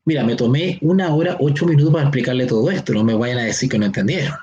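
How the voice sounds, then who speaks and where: A man with a Chilean accent teaching a Bible seminar online. He explains slowly, stretches key words and keeps checking that his listeners follow. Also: mid-range voice, darkish tone, highs cut off, a little hiss or hum. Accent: Chilean Spanish. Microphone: online class or teleconference.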